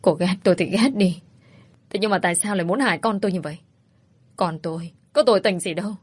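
A woman's voice: on the low side, fast talker, husky. A woman voicing a scheming pregnant young woman who wails and accuses. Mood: wailing. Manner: plaintive, wailing, accusing.

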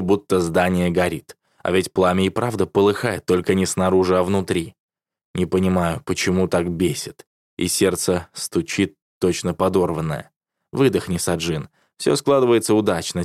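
A man narrates a first-person novel in a low register. His delivery is wry and sardonic, close to the mic in a dry, dead-sounding space. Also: dry recording. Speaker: audiobook narrator.

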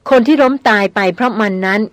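Woman voicing a slow, solemn jungle wanderer. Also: fairly high pitch, no room sound, lightly acted. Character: mysterious young male jungle wanderer, calm, solemn.

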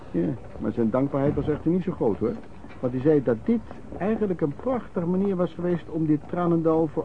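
An actor playing a rough, hard-drinking vagrant pedlar who reminisces in colloquial, old-fashioned, hesitant anecdotes in a Dutch radio play. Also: male voice, a little high, a little hiss or hum, close to an everyday voice. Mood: wry. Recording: dull, lo-fi radio play recording.

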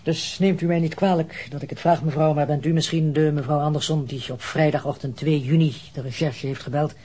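An actor playing a polite, earnest and pressing police detective in a radio drama, explaining courteously in a husky voice. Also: male voice, on the high side, steady tone, brisk, darkish tone.

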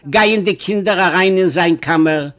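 A man with a fairly high voice reads a literary story aloud. He tells it in a calm, measured, unhurried way. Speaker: reader of a short story. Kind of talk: literary reading.

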